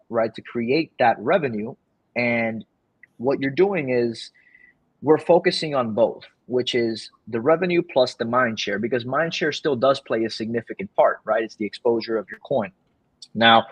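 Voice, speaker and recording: A man's voice: mid-range voice, no room sound, rough recording. A man hosting an online audio chat who keeps dropping "right?" into his sentences as he explains his points. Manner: leans on "right?" as a tag. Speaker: host of an online audio space. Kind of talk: casual pitch-style chat.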